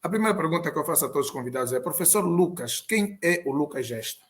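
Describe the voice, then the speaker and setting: A man with an Angolan Portuguese accent, hosting a live online interview and asking his questions in a measured, deliberate way. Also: on the high side, expressive. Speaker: host.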